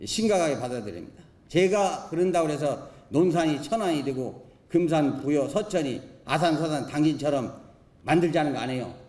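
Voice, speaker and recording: A council member speaks at a podium in an echoey assembly chamber. His voice sits a little high but sounds dark and mellow, and his pitch swings widely as he presses each point. He argues emphatically, leaning on rhetorical questions and folksy sayings. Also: animated, normal speed. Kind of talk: questioning session speech. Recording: roomy chamber echo.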